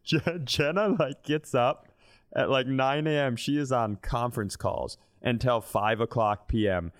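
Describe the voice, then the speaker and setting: A man's voice: mid-range voice, a little slow. Man in his thirties telling bawdy comic stories. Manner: swearing, blunt, acts out quoted lines. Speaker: comedy podcast co-host. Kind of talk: animated casual comic storytelling.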